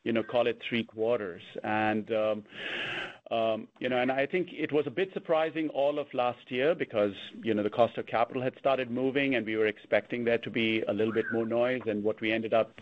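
A man's voice: medium pitch, fairly even intonation, moderate pace. A man speaking as a company executive, giving unscripted answers on an earnings call and often restarting his sentences. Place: conference call. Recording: dull, band-limited conference call audio.

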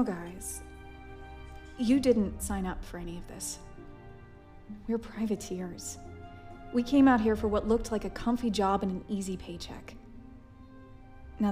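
A privateer ship captain played by a woman, weary and bound by duty. Her medium-pitched voice is plain-spoken and subdued in a sci-fi audio drama, over faint music. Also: steady tone, normal speed, creaky, pauses often, dark tone, lightly acted. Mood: weary, earnest. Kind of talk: science fiction audio drama acting.

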